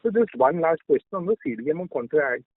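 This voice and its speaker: A man's voice: on the high side, lively intonation, fast talker, no echo. A man, a financial analyst putting questions to management on an earnings call. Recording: dry, narrow phone-line audio.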